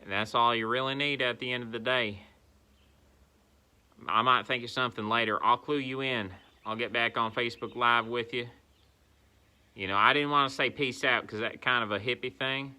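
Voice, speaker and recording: A man's voice: medium pitch, normal speed, pauses often, bright, forceful tone. A man playing a rambling, fired-up older patriot who rants on a phone livestream outdoors, bombastic and self-interrupting. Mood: ranting. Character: rambling older male pro-Trump patriot, fired-up and muddled. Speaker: satirical livestream ranter. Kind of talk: comedic satire rant.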